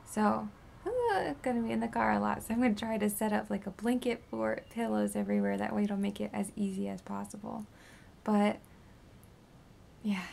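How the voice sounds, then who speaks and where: A woman in her twenties, tired and sore after surgery, rambling casually in a raspy voice that sometimes drops to a whisper. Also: mid-range voice, moderate pace, a little hiss or hum. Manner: rambling, drifting into soft whispers. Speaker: beauty vlogger. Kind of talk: casual post-surgery update vlog.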